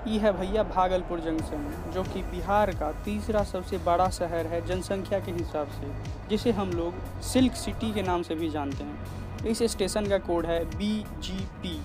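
A man's voice: high-pitched, unhurried. A young man in his twenties narrating a train journey vlog casually, speaking from a moving train with a clip mic. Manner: informal, addresses viewers as bhaiya. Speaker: train travel vlogger. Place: on a moving train, outdoors by the open door. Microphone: wireless clip mic. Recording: loud train noise and background music.

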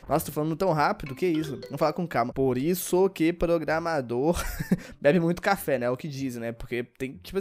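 Fast-talking, excitable Brazilian gamer man. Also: sits high. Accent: Brazilian Portuguese. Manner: excitable, yelps and shouts at the game. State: sleepy and exhausted. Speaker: gaming YouTuber. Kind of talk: let's-play commentary.

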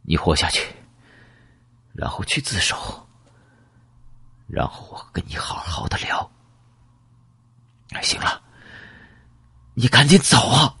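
A man voicing a brash, coarse-talking male gangster friend in an audiobook, with a husky voice. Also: medium pitch, very animated, slow pace, long pauses, pushed and bright, whispered, voice pushed up, heavily acted. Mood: weary. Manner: coarse, mocking banter. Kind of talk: audiobook character voice.

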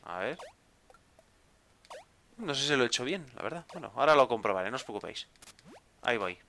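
Lively chatty man gaming. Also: mid-range voice, brisk. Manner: chatty, exclaiming, repeats words when stuck. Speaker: gameplay video host. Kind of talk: casual gameplay commentary.

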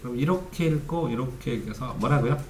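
A man's voice: mid-range voice, brisk, darkish tone. A man teaching a study method in steps, asking his listeners questions and then answering them himself. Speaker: study coach. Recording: echoey room, faint background noise.

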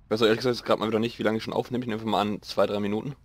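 A young man with a slightly hoarse voice, rambling casually through gameplay commentary and mocking himself as he goes. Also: fairly low pitch, flat delivery, racing. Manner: rambling, self-mocking, thinking aloud. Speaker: let's play host.

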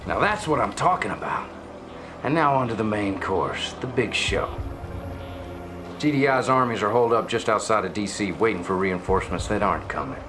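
An actor playing a gloating, crude rebel military officer giving a swaggering briefing in a video game. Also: male voice, fairly low pitch, lively intonation, normal speed, music in the background, lightly acted. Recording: heavy background noise.

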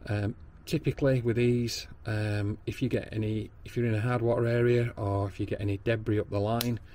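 A man's voice: on the low side, flat delivery, fairly quick, dark tone, slight background noise. A man with a Northern English accent giving a practical plumbing training demonstration at a workshop bench, explaining step by step with frequent ums and restarts. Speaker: plumber and backflow tester.

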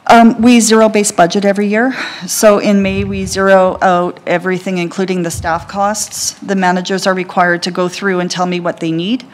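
A woman, a library system executive, answering council questions in a clear, businesslike way from a council chamber desk mic. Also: mid-range voice, level tone, normal speed, hardly any pauses. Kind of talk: formal presentation answers.

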